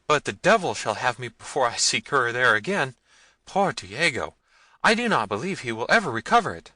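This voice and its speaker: A man putting on a shrill, terrified servant. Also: big pitch swings, normal speed, sharp tone, no room sound. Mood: fearful, stubborn. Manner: trembling, pleading, long-winded. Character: terrified, rambling male servant, simple and deferential. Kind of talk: dramatised gothic novel reading.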